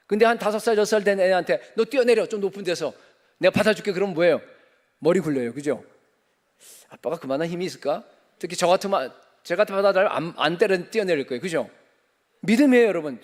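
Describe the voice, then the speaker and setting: A male pastor delivers a lively, conversational sermon, checking in with the congregation and giving the people in his Bible stories their own voices. His voice sits fairly high for a man, and it rings out with the long reverb of a church sanctuary. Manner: conversational preaching, acting out scripture voices, asks the congregation questions.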